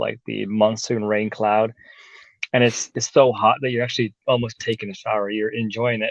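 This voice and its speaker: Monotone, flat intonation marks this man's speech. He has a Hungarian accent and a medium pitch. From Hungary. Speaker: motorcycle parts company founder. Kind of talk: casual chat. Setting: podcast interview.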